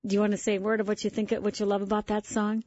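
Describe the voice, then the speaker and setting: A woman hosting a Christian call-in radio show, talking in an upbeat, encouraging way; she has a low voice and is coming down with a cold. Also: monotone, racing, a little mellow, lo-fi sound, a little hiss or hum. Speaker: radio host.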